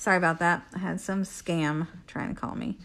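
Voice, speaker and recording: A woman talks in a plain, everyday voice with an American accent. Her pitch is medium, with ordinary pitch variation. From Las Vegas, Nevada, US. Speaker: nail technician. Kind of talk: tutorial.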